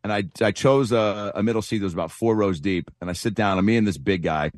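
A man's voice: on the low side, quick pace, dry recording, clean studio sound. A man who is a comedian, chatting as a guest and telling rambling, self-deprecating stories full of fillers. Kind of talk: casual anecdotal chat.

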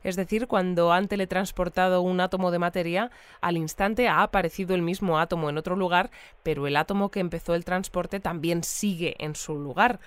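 An actress playing a courteous, measured female radio interviewer who reads out listeners' messages in a conversational audio drama. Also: fairly low pitch, steady tone, smooth, no room sound, close to an everyday voice. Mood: polite, attentive. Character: polite female radio interviewer in a futuristic community.

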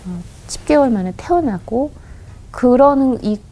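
A woman guest on a radio interview, earnestly recounting a personal story with halting restarts and quoted voices. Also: sits high, expressive, warm tone, rough recording. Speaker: guest, company head.

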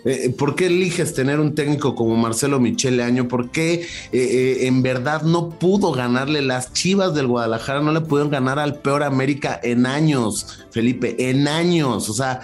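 Mexican male co-host, mid-pitched, hesitant and opinionated, faint music behind. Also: moderate pace, hardly any pauses. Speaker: podcast co-host. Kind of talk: casual football banter.

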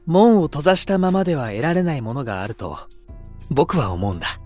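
A man's voice: fairly high pitch, big pitch swings, a little fast. A gracious poetic young man in audio drama, elegant, really melodic swings, bit of music. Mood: gently persuasive. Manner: elegant, gently persuasive, theatrical phrasing. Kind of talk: Japanese voice drama acting.

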